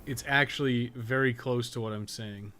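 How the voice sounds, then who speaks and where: A man's voice: medium pitch, steady tone, normal speed, bright, forceful tone, slight background noise. A man giving casual, candid live gameplay commentary in an informal, conversational way, as a streamer chatting with viewers. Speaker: game streamer and guide maker.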